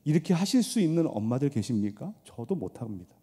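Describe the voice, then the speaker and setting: A middle-aged man preaching a sermon as pastor, swinging between loud appeals and hushed asides, with rhetorical questions and storytelling, in a church sanctuary. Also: mid-range voice, big pitch swings, a little fast, slightly rough. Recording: long church hall reverb.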